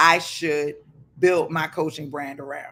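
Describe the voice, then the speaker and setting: A man talks in a Baltimore accent. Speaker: business coach. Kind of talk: livestream coaching talk. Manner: animated.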